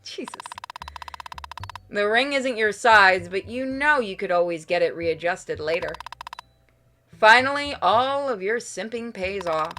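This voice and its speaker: A woman reading game text aloud and reacting casually, with a playful, expressive manner. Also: mid-range voice, a little slow, slight background noise. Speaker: game streamer.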